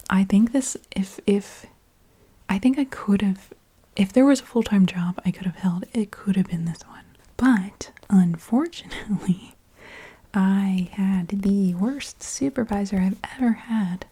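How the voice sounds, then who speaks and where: A woman tells a personal story in soft-spoken, mostly whispered ASMR, breathy and informal, with a halting, confiding delivery. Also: medium pitch. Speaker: ASMR video creator.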